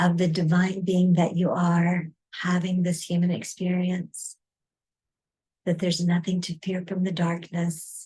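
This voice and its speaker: Delivered at a fairly slow pace, the voice is somewhat breathy, with a dark, mellow tone and monotone, flat intonation. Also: woman. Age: 60s. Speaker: meditation guide. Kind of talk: guided meditation.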